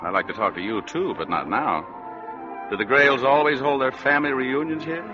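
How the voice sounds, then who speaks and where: A man's voice: mid-range voice, fairly quick, close to an everyday voice. A man playing a hard-boiled private detective who narrates with dry, sardonic wisecracks in a vintage radio drama. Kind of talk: 1940s radio acting. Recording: muffled old radio broadcast with music.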